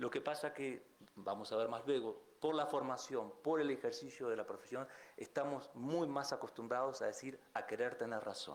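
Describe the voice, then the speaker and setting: A man speaks at a moderate pace in a fairly high voice with fairly even intonation. Audible room echo and noticeable background noise are present. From Argentina, Buenos Aires province. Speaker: lawyer giving keynote lecture. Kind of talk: lecture. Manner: halting, many fillers.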